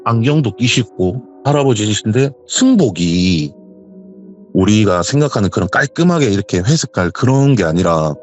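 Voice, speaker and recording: A man's voice: on the low side, moderate pace, faint music behind. A man, casually telling a true ghost story and acting out the voices of the people in it. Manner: animated retelling, acts out quoted voices.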